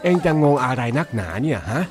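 A gruff, exasperated old village uncle in a cartoon story, voiced by a man. He scolds and teases in a plain mid-range voice. A music track runs clearly behind him. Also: mid-range voice, lively intonation, fairly quick, natural voice. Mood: scolding. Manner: scolding, grumbling, teasing. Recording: music bed underneath.

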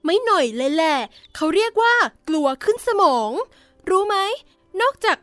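A woman voicing a bossy, sharp-tongued know-it-all friend in a children's audio drama, with a scolding manner. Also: extremely high pitch, lively intonation, moderate pace, no echo, faint music behind.

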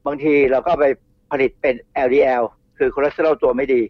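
A man's voice: medium pitch, steady tone, fast, no room sound. A middle-aged man, a toxicologist guest on a radio show, explaining in a chatty way with asides and repeats. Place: radio studio. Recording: dull radio studio sound.

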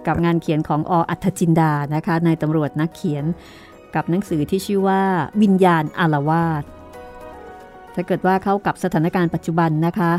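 Low-pitched woman host speaking through a mask. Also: fairly even intonation, fairly quick, warm tone, faint music behind. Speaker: podcast host. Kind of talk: scripted-sounding but chatty show hosting.

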